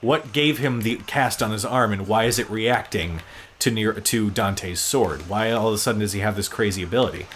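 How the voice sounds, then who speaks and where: A man's voice: lowish voice, fairly bright tone. Man commentating over noisy gameplay. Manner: explanatory, halting while playing. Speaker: gaming show co-host and player.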